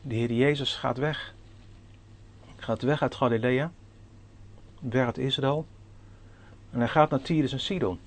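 A man with a mid-range voice preaches a sermon at a measured pace, pausing often. He earnestly puts questions to the congregation and reads scripture aloud in old-fashioned formal Dutch.

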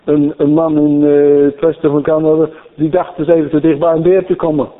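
A man with a high voice preaches a storytelling sermon. He is animated and keeps repeating phrases for emphasis. The broadcast sounds thin and narrow, like a telephone line. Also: fairly quick. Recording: thin phone-like radio broadcast.

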